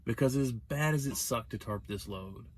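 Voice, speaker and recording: A man's voice: mid-range voice, normal speed, dry recording. Rambling, earnest male trucker. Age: young adult. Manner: rambling, self-correcting, earnest advice. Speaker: truck driver vlogger. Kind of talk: casual vlog monologue.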